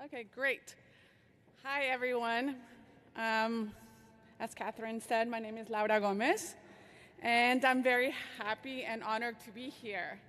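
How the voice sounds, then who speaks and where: A fairly high-voiced woman from Mexico speaks from a podium microphone at a conference, her voice trailing into the long reverb of a large hall. She talks in a hesitant way, filling pauses with "um" and restarting her words. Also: fairly even intonation, fairly bright tone. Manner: hesitant, many fillers and restarts. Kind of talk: conference talk.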